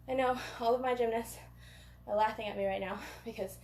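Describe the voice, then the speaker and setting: A woman's voice: fairly high pitch, fairly even intonation, unhurried. A woman coaching a gymnastics workout in a casual, self-deprecating way, out of breath from exertion. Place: indoor gym. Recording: echoey gym, roomy sound.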